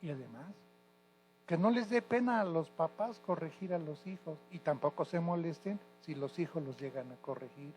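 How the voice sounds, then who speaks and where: A man in his sixties from Mexico, a retired high school teacher answering interview questions in an emphatic, lecturing way. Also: lively intonation, normal speed, darkish tone, slight background noise, rough recording. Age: 60s. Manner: emphatic, lecturing, corrects pronunciation.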